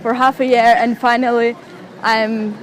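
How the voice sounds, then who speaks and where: A woman's voice: a little high, unhurried, poor audio. A young woman from Russia speaking English with a Russian accent, chatting emotionally in an interview. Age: young adult. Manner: emotional, animated, fillers and restarts. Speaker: interviewee, model and blogger. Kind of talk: casual interview chat. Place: outdoors on a city street.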